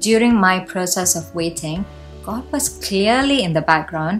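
A woman talks at a moderate pace with ordinary pitch variation and a fairly low pitch. Faint music plays in the background. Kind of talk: casual vlog chat. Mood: earnest, encouraging, faith-based. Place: home room.

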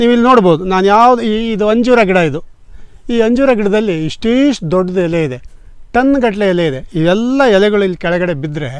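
With a lively, bouncing intonation, this man talks in a high voice. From Shivamogga district, Karnataka. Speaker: retired factory worker turned farmer and bodybuilder. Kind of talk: farm tour explanation.

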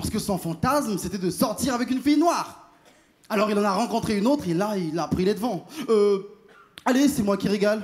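Someone speaks at a fairly quick pace against a quiet background. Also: man. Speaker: stand-up comedian. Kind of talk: stand-up comedy routine. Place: stage. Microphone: handheld.

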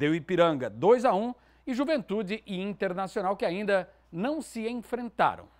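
Lively intonation at a fairly slow pace over a quiet background. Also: man. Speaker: news presenter. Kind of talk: news reading. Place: studio. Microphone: lapel.

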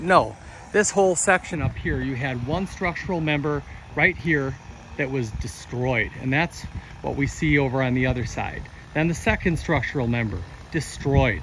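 With light noise in the background and a dry, echo-free sound, a man speaks at a moderate pace. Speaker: building contractor. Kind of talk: explanatory walkthrough commentary. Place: garden. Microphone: phone near.

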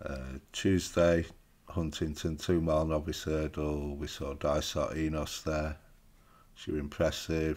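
A man with a very deep, low pitch speaks very slowly in a monotone, flat intonation. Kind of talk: commentary. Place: home room.

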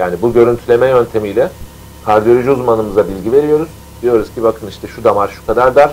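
Light background noise sits under a man talking at a very fast pace. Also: ordinary pitch variation. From Hatay, southern Turkey. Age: 30s. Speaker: interventional radiologist. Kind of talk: live-stream interview, explaining. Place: studio.

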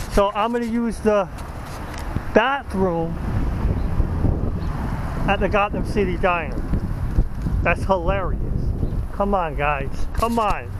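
A man talks at a fairly slow pace, with long, frequent pauses and ordinary pitch variation. The sound is dry with no echo, though noticeable background noise is present. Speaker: vlogger. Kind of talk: casual vlog chat. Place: street. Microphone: phone near.

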